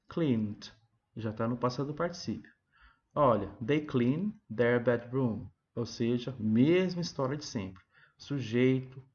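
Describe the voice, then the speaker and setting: A man teaching an English review lesson, asking himself questions and answering them, and saying example sentences slowly. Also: mid-range voice, a little mellow, highs cut off. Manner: keeps adding "tá?" and "ó". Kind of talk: recorded classroom review lesson.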